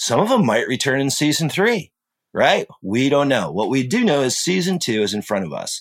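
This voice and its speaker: In a very clean recording with a silent background, a man with a fairly high pitch and vocal fry speaks at a moderate pace, his pitch swinging very widely. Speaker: content creator and teacher. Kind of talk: casual interview chat.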